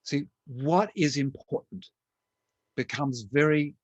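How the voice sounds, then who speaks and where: A man's voice: a little high, takes it slowly, no room sound, highs cut off. A man giving an online conference lecture in a conversational way, speaking to listeners by name.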